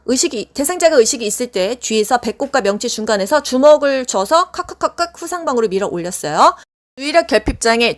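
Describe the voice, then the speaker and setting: A woman giving a casual spoken exam-prep lecture, chatty, asking questions and answering them herself. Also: fairly high pitch. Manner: chatty, asks and answers her own questions.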